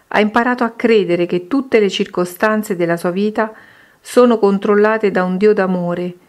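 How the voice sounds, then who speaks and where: A woman reading a Christian devotional book aloud in a steady, measured way. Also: mid-range voice. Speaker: reader.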